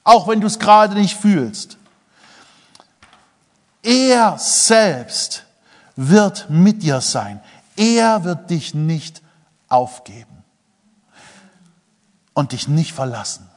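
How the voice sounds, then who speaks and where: A man's voice: sits high, drawn-out words, pauses often. German preacher man in a reverberant hall. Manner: lively preaching, swings between quiet asides and loud emphasis; jokes with the congregation, asks them questions. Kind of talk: sermon.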